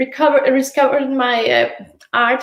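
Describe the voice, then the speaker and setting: The woman's intonation stays flat and monotone as she talks at a moderate pace. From Denmark. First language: Danish. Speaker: interview guest, painter. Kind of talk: casual interview.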